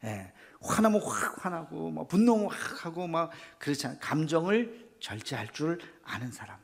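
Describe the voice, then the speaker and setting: Animated pastor with a gravelly voice. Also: male voice, fairly high pitch, normal speed. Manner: animated, asks the congregation questions and acts out little scenes. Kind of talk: sermon.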